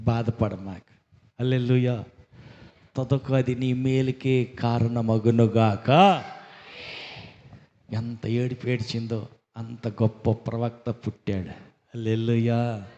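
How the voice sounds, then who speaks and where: A man's voice: medium pitch, darkish tone. A male pastor preaching a sermon, asking rhetorical questions, repeating phrases and calling on the congregation for hallelujahs. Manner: exhorting, calls for hallelujahs from the congregation. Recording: dull echoey hall recording.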